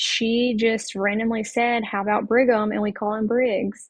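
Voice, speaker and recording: A woman with a slight Georgia accent talks at a moderate pace, her fairly high voice following fairly even intonation. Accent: slight Southern (Georgia). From US South, West Georgia. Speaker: bereaved mother. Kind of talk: interview testimony.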